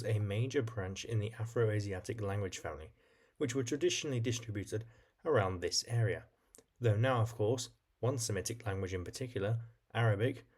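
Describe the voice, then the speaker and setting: A man's voice: lowish voice, a little mellow. A man hosting an educational video, reading scripted narration in an explanatory style. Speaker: video host.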